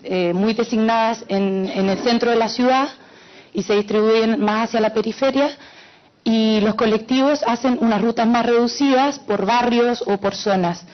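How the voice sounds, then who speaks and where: A woman with a Chilean accent talks from the audience in a slightly high voice, hesitating as she builds her point. The recording is muffled and lo-fi, like old conference audio. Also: steady tone, moderate pace. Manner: hesitant, many fillers, explaining earnestly. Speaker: audience member asking a question. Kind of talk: audience comment at a panel.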